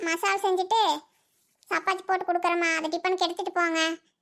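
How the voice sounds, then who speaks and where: A woman's cartoonish character voice, extremely high-pitched and flat in a monotone, at a moderate pace. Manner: chatty, homely, sharp-tongued.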